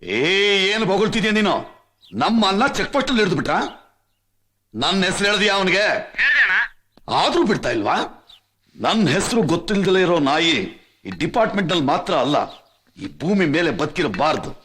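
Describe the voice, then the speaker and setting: Arrogant scheming father, boastful, dismissive, commanding, lively high pitch. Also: a little fast, pauses often, exaggerated voice. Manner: barking orders, boastful, dismissive. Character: powerful scheming father, arrogant middle-aged villain. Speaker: supporting actor in a feature film. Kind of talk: dramatic film acting. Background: film score.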